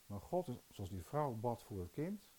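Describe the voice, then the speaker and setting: Mellow-voiced man preaching with stories. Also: mid-range voice, very animated, moderate pace, breathy edge, rough recording. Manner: storytelling, rhetorical questions to the audience. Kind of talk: sermon with stories.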